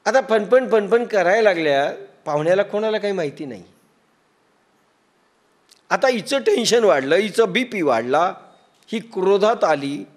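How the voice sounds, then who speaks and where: A man with a Marathi accent gives a sermon in a fairly high voice. He tells stories, acts out quotes and uses everyday examples to make his point, and chants scripture verses slowly. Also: animated. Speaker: spiritual teacher.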